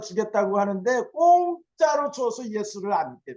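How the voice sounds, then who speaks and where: This voice has a dark, mellow tone, moving at a fairly slow pace with ordinary pitch variation. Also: man. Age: 60s. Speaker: network marketing speaker. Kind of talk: motivational sales talk on video call. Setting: video call. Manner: animated.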